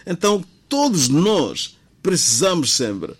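A man's voice: a little high, very animated, slow, husky. A man hosting a radio call-in appeal, encouraging and repeating his words, from Mozambique. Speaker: radio show host.

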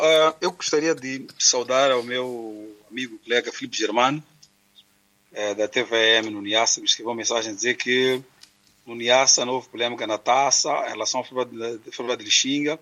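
A man, a sports commentator explaining calmly with hesitations. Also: mid-range voice, a little fast, low-quality recording. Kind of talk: radio sports debate.

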